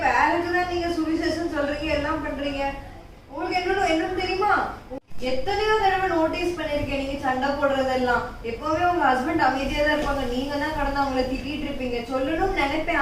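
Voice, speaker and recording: A woman playing an earnest church sister who lectures a friend and quotes Bible verses slowly, in an amateur family skit. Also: high voice, a little hiss or hum, natural voice. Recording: echoey room, far from mic.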